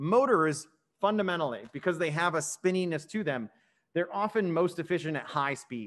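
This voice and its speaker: With a Midwestern American accent, a man speaks at a high pitch with lively intonation. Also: moderate pace. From US Midwest (Ohio). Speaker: instructor. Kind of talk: lecture. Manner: casual, conversational.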